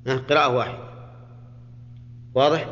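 A man's voice: mid-range voice, fairly even intonation, normal speed, fairly bright tone. A man teaching Quranic grammar in a classroom lecture, explaining point by point and checking with students. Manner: explains point by point, often asks students "ha?" and "clear?". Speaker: Islamic scholar teaching Quranic exegesis. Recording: dull, lo-fi lecture recording with long reverb.

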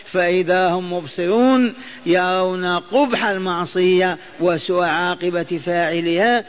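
Man, Quran lesson, high voice, repeats phrases, chants verses, muffled lo-fi sound. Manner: repeats phrases, stops to quiz listeners. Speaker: Quran teacher. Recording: dull lo-fi recording.

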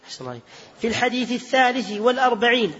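A man reading a text aloud to his teacher in a steady recitation, correcting his own slips now and then. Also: very high-pitched, racing, husky. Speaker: student reader. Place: large mosque hall. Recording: reverberant hall, dull lo-fi sound.

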